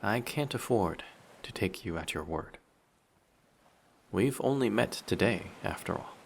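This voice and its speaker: A man voicing a flirty, possessive sea monster in human guise for an intimate roleplay audio drama, measured and politely menacing. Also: on the low side, animated, gravelly, a little hiss or hum. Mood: calmly menacing.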